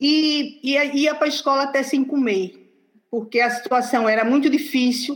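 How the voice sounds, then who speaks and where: Her pitch varies in an ordinary way as this woman talks at a moderate pace. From Recife, Pernambuco, Brazil. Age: 60s. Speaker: Afro-Brazilian culture educator. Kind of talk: testimony.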